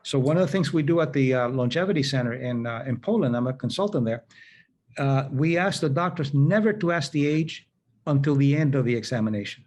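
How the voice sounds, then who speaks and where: A man's voice: mid-range voice, lively intonation, a little fast, a little mellow. A man hosting a conversational interview, telling anecdotes and acting out quoted dialogue. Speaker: host.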